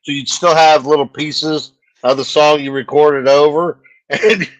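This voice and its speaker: Dry-sounding male co-host, slightly high. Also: steady tone, a little slow, no room sound, low-quality recording. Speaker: talk show co-host. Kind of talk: casual chat.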